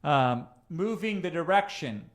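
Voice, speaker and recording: Chatty male coach, slightly high voice. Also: expressive, a little slow. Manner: conversational, checks in with "right?", digresses mid-thought. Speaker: coach presenting a live session. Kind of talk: live teaching talk.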